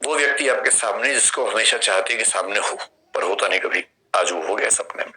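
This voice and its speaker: A man's voice: on the low side, a little fast, bright, forceful tone, a little hiss or hum. A man in his fifties with an Indian accent, giving a classroom lecture and explaining through questions and vivid examples. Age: 50s. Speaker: philosophy teacher.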